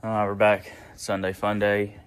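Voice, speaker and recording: A man, talking through his garage fabrication work in a relaxed, rambling way, full of fillers. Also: lowish voice, normal speed, a little hiss or hum. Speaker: fabricator and channel host. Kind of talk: casual shop vlog. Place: garage workshop.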